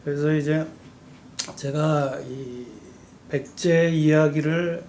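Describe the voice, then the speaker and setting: A man who is a campaign spokesman, a guest on a live web talk show, telling long stories about history with lively enthusiasm. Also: fairly high pitch, takes it slowly. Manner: animated storytelling, talks through history at length. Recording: faint background noise, live stream.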